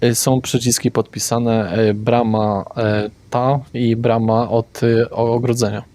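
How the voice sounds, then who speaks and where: A man narrating a tabletop game as game master, describing scenes slowly and deliberately, with hesitant pauses. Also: mid-range voice, little pitch movement, mellow. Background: faint background music.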